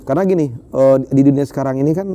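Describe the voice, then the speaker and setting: A man co-hosting a casual business chat, calm and agreeable, often nodding along. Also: medium pitch, fast talker. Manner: calm, agreeable, lots of backchannel. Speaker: talk show co-host.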